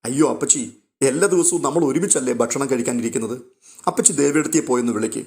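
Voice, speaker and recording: A man voicing a caring young wife who pleads gently to keep the peace. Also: medium pitch, fast, natural voice. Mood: pleading.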